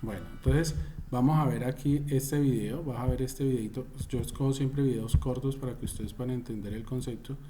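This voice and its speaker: A man teaches a class over a video call, his voice mellow and dark. He restates each point patiently and calls on students by name. A faint hiss sits under the computer microphone. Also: medium pitch, steady tone, brisk. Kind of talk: online class explanation.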